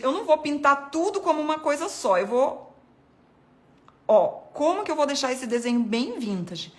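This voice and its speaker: Woman, a little higher pitch, relaxed chatty art teacher talking while she paints. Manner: chatty, addresses viewers as "gente", points things out while painting. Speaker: art devotional host. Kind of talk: casual watercolor painting tutorial.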